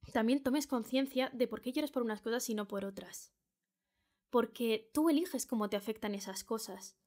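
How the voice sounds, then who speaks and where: A young woman from Spain hosting her own podcast, speaking earnestly to the listener and repeating phrases for emphasis. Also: fairly high pitch. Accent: Spain Spanish. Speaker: podcast host. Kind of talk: solo advice podcast monologue.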